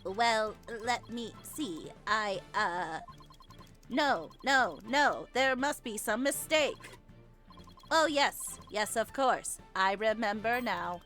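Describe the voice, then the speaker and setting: Proud bomb squad guy on the stand, woman reading him, slow and solemn, kinda high, self-important. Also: expressive, a bit bright, soft background music. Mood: flustered. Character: proud, defensive male bomb-disposal specialist on the witness stand.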